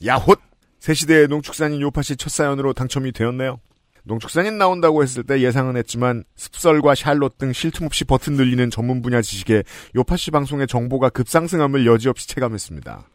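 A man's voice: medium pitch, quick pace, dry recording. A man hosting a podcast, reading listener letters aloud with playful, teasing asides, close on a studio mic. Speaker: podcast host.

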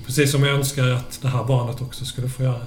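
A man's voice: mid-range voice, flat delivery, noisy background, lightly acted. A man playing a prim, officious police constable. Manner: stiff, officious, lecturing. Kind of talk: in-character tabletop role-play. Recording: roomy with music behind.

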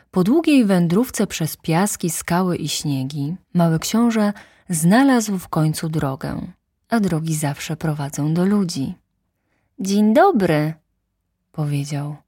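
A woman narrating a storybook audiobook in a soft, measured way. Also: lowish voice, breathy edge, no echo, studio quality.

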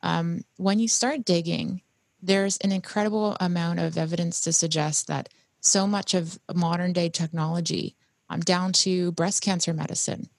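A woman's voice: lowish voice, steady tone, normal speed, vocal fry, dry recording. A woman whose first language is Farsi, speaking reflectively in a casual conversation as a guest, with frequent ums and you-knows. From Iran.

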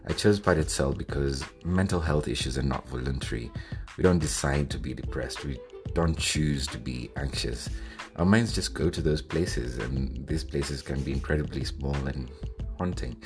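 A man's voice: a bass voice, normal speed. A young adult man from Kenya giving an earnest, scripted introduction to his podcast as its host. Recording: music bed under the voice.

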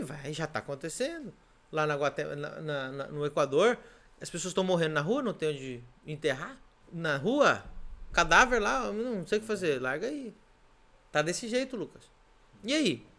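A man's voice: sits high, pushed and bright. A Brazilian man, a pastor, preaching on a podcast in an emphatic way, repeating his points and firing off rhetorical questions. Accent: Brazilian Portuguese.

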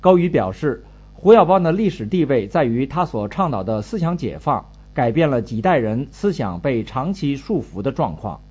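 A man's voice: mid-range voice, big pitch swings, moderate pace, warm tone, breathy edge. A man narrating a scripted radio news report as a correspondent.

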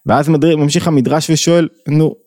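A man giving a Torah lesson, acting out the quoted dialogue between figures with lively rises in pitch. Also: dry recording, clean studio sound. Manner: animated, acts out quoted dialogue with rising pitch. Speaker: teacher.

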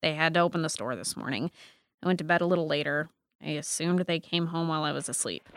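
A woman's voice: low voice, quick pace, dry recording, clean studio sound. A woman playing a guarded, sarcastic young woman in an audio drama, speaking in a curt, defensive way.

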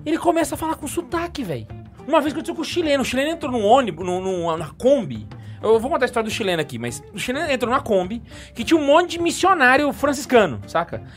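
A man's voice: very high-pitched, faint music behind. A man with a Brazilian accent hosting a casual podcast, asking teasing questions and reading viewer messages. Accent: Brazilian Portuguese. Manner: animated, quick, teasing questions. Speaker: podcast host reading live-chat messages. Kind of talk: casual chat.

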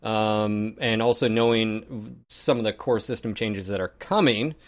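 Laid-back male streamer, lowish voice. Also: a little slow. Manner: relaxed, loose, says like a lot. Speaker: streamer and co-host. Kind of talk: casual chat.

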